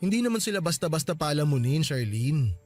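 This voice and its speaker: A man's voice: fairly high pitch, very animated, a little fast, soft background music. A man playing a young husband in a radio drama, defensive and pleading. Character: young husband, soft-hearted and placating.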